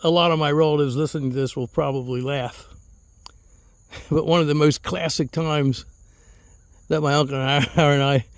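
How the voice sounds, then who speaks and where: A man's voice: a little high, steady tone, normal speed, long pauses, dry recording. Chuckling man rambling about his fig trees. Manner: chuckling, rambling, repeats words. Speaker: fig grower and channel host. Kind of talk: casual storytelling vlog.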